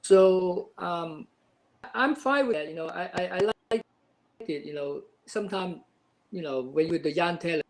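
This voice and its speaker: High-voiced man on a choppy video call. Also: slight background noise. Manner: halting, repeats words, short clipped phrases. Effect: choppy audio over an unstable video call. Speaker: filmmaker panelist. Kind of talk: casual panel discussion.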